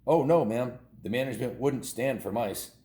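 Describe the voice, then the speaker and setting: A man's voice: medium pitch, moderate pace, warm tone, natural voice. Deferential storybook bellboy played by a man, echoey. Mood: indignant, reassuring. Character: polite, obliging hotel bellboy in a children's storybook.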